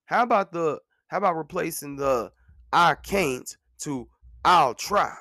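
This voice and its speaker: A man's voice: fairly high pitch, expressive, measured pace, bright, forceful tone, no room sound, clean studio sound. Earnest motivational man in his thirties. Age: 30s. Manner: earnest, motivational, repeats himself for emphasis; conversational, says "man" and "you know what I'm saying". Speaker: podcast host. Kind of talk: casual monologue.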